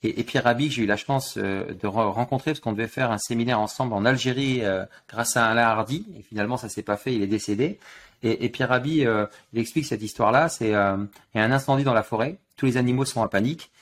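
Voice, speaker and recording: A man's voice: mid-range voice, quick pace. A man, a guest coach in an interview, explains his ideas with analogies and often repeats words as he builds his point. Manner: animated teaching with sports analogies, repeats words.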